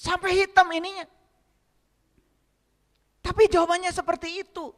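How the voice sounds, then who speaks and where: A man's voice: very high-pitched, little pitch movement, normal speed, a bit bright, in a large hall. A man giving a spiritual lecture to a congregation, often asking them rhetorical questions and speaking to them directly. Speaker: religious lecturer.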